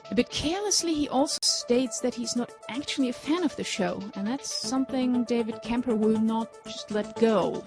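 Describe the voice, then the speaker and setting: A woman's voice: fairly high pitch, moderate pace, hardly any pauses. A woman giving a plain, informative voice-over. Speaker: video narrator. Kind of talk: explanatory voice-over. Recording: voice-over with music behind.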